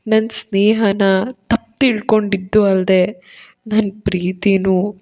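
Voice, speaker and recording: A heartbroken but defiant young heroine, as a woman narrator plays her, emotional and determined in her speech. Her voice is slightly low and soft in an audio love story. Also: steady tone, unhurried. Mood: tearful.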